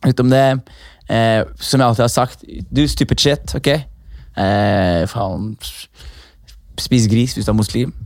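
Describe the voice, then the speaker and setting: A man's voice: on the low side, a little mellow, no room sound, studio quality. Brash young man hosting a podcast. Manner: brash, swearing, mixes English slang into Norwegian. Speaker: podcast host and comedian. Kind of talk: casual podcast chat.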